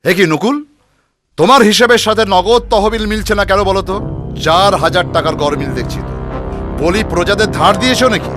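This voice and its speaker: A stern, bossy landlord from a comic cartoon, acted by a man, pitched notably high for a male voice. He questions suspiciously and hands down orders over clearly audible background music. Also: fairly quick, close to an everyday voice. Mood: suspicious, questioning. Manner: interrogating, commanding. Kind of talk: dubbed comic cartoon dialogue.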